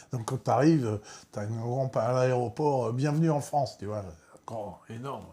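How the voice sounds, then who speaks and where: A man's dark, mellow voice at medium pitch, moderate in pace with ordinary pitch variation, in a very clean recording with a silent background. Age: 70s. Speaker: political activist. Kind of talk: casual political discussion.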